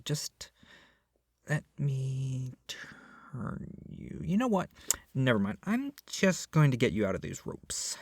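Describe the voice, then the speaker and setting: A man playing a lovestruck, clingy young kidnapper in an intimate ASMR roleplay, speaking softly and earnestly with gushing, coaxing tenderness. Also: medium pitch, dry recording, clean studio sound, heavily acted. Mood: sheepish, earnest. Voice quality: soft, breathy, often dropping to a whisper. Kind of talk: ASMR roleplay, intimate second-person acting. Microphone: close microphone, dry.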